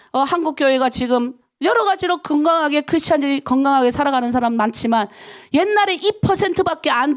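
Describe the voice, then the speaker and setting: Woman pastor from North Korea, middle-aged, animated dawn sermon, high and swooping, presses listeners with questions. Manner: lively, emphatic, talks to the congregation with rhetorical questions.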